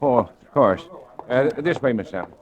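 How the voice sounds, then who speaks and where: A man's voice: medium pitch, animated, moderate pace, lo-fi sound, close to an everyday voice. An actor playing a polite, hesitant male doorman in a 1940s radio drama.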